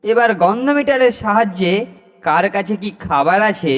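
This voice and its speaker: A man's voice: sits high, expressive, moderate pace. A man voicing a boastful, greedy older schoolboy bully in a children's cartoon, teasing and theatrical. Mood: smug. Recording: long reverb, music behind.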